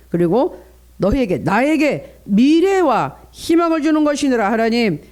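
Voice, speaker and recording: Male pastor, middle-aged, fairly high voice, earnest, leads the congregation through prayer at an early-morning service. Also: a little mellow. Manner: earnest, coaching the congregation in prayer, asks for responses. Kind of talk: dawn prayer sermon.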